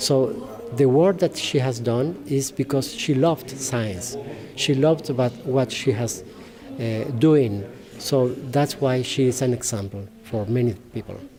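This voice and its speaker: A man at medium pitch, fairly slow in pace, with ordinary pitch variation and noticeable background noise. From Paraguay. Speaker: ambassador. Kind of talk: interview. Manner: halting.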